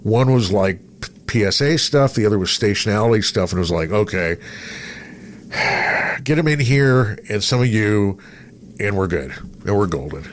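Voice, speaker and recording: A mature man from East Texas with a fairly low voice reminisces as a radio guest. His storytelling is casual and halting, trailing off and then acting out what people said. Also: lively intonation. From East Texas, USA. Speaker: radio personality, podcast guest.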